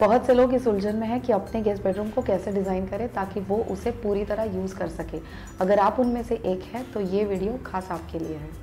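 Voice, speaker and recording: A woman talks at a moderate pace with fairly even intonation, and faint music plays in the background. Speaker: presenter. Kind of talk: tutorial. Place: home room.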